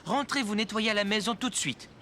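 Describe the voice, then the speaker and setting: A man's voice: high-pitched, fairly quick, close to an everyday voice. A man playing a caring, mildly stern father in a French children's cartoon.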